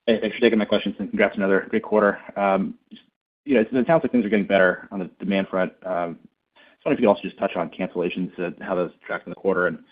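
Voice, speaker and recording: A man's voice: sits low, steady tone, racing. A man working as a financial analyst, politely asking questions on an earnings call. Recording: phone-like narrow band call.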